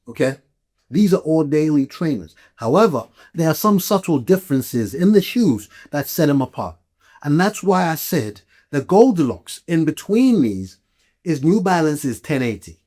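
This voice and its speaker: A man from Malawi with a fairly high, slightly mellow voice hosts a podcast, explaining gear to listeners in a casual way. He is emphatic and often checks in with his audience.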